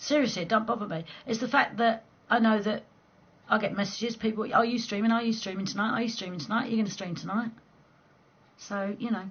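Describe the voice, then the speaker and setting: A woman speaks very fast in a southeast English accent, her pitch fairly high. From southeast England. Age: 40s. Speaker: gaming streamer. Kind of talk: casual chat. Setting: live stream. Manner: animated.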